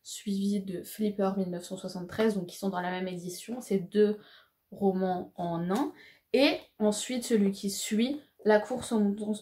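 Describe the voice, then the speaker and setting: A woman's voice: mid-range voice, a little mellow. A woman in a casual vlog talking about books to camera in a chatty way, with lots of fillers and slang. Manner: chatty, full of fillers and slang, laughs often. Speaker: book vlogger.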